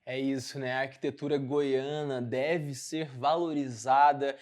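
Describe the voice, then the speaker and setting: A man's voice: medium pitch, steady tone, unhurried, darkish tone, soft background music. A man with a Brazilian accent presenting conversationally as a programme host. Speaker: studio host.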